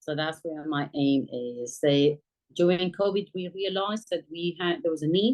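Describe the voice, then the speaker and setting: This woman's pitch moves in an ordinary way. She keeps to a moderate pace. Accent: Spanish. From Spain. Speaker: property investor. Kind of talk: interview. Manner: halting.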